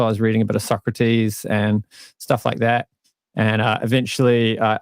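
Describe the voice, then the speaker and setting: Male guest, New Zealand accent, measured explainer, dry humor, dead-dry room. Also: mid-range voice, no room sound. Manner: measured, explanatory, dryly self-mocking. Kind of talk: casual interview talk. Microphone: live-stream call.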